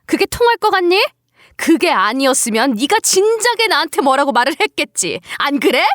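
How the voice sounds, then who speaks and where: A cruel older mother-in-law, a doctor, sneers and scolds with open contempt, as a woman voices her. Her voice sits high and swings widely from line to line. It is recorded dry and close for a story reading. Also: sing-song, normal speed, fairly bright tone, dry recording. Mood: outraged.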